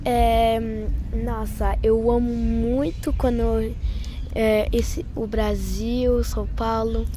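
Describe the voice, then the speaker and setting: A young woman, a French native speaker, answering an interview in a hesitant, halting way. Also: on the high side, flat delivery, warm tone, a little hiss or hum. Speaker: interview guest. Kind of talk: casual interview talk.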